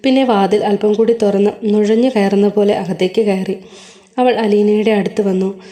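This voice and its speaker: A woman narrates a serial story with a calm, steady delivery. Her voice is mellow and warm rather than bright, sitting at an ordinary middle pitch for a woman. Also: moderate pace.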